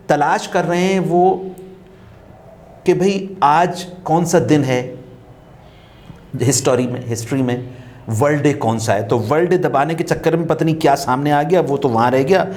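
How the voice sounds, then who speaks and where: A man as a talk-show guest, speaking in an unhurried, musing way, repeating phrases for emphasis and quoting couplets. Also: a little high, a little mellow. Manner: quotes couplets while explaining. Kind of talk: reflective talk-show conversation.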